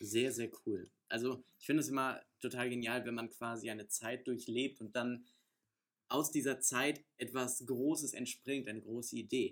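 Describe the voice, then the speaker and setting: A medium-pitched male voice, fairly slow and with monotone, flat intonation. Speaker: student entrepreneur acting as interviewer. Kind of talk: casual interview. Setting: recording late at night.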